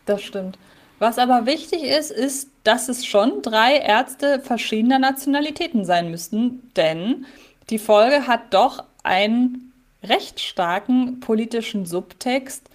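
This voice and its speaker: A woman's voice: on the high side, lively intonation, slow pace. A woman co-hosting a podcast in casual chat, thoughtful and often restarting her sentences. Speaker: podcast co-host.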